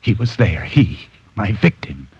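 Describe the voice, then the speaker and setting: A man's voice: fairly low pitch, big pitch swings, measured pace, darkish tone, slightly rough, exaggerated voice. An actor playing a haunted, guilt-ridden man who stammers tensely, narrating and speaking in an old radio drama, recorded as a dull old radio broadcast. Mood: brooding. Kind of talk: 1940s radio acting.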